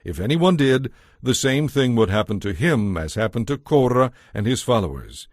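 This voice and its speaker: A man narrating scripture from a script as a storyteller, in a measured, solemn way. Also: mid-range voice, sing-song, no echo, clean studio sound.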